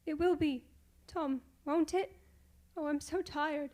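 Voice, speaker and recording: A woman's voice: high voice, fairly even intonation, slow, darkish tone. A woman playing an earnest, fragile young deserted bride in a radio mystery play. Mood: relieved, tearful. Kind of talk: radio mystery theatre acting.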